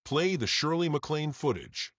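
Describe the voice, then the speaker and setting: A man with a husky voice, cutting in off script. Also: a little high, big pitch swings, normal speed, a bit bright, no room sound. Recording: dull, dry lo-fi sound.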